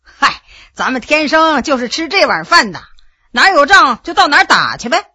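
A woman's voice: high-pitched, big pitch swings, moderate pace, sharp tone, no room sound, studio quality, heavily acted. A woman voicing a bluff, loyal middle-aged Qing general who talks in a plainspoken, colloquial way. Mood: matter-of-fact.

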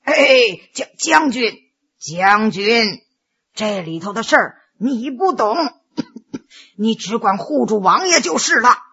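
女艺人扮演的咳嗽的老谋士. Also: female voice, expressive, bright, forceful tone, breathy edge, dull audio, full character voice. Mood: urgent. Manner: low, halting, with coughs. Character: old male advisor, cautious and shrewd, coughing. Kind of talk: Chinese storytelling performance.

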